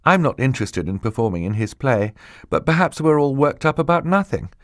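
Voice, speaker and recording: A man's voice: mid-range voice, sing-song, brisk, no echo, clean studio sound, voice pushed up, lightly acted. A man voicing a clever, worried teenage girl in an audiobook, speaking earnestly and uncertainly. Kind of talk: audiobook character voice.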